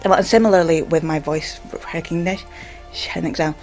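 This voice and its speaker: Scottish female vlogger, low voice, stammers, halting informal delivery padded with fillers, music underneath. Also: fairly even intonation, a little mellow. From Scotland. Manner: halting, with frequent repeated filler words. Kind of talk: informal explainer to camera.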